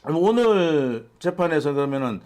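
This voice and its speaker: A man in his sixties hosting a casual news discussion, asking questions and reacting with quick remarks. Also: a little high, big pitch swings, darkish tone. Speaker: host.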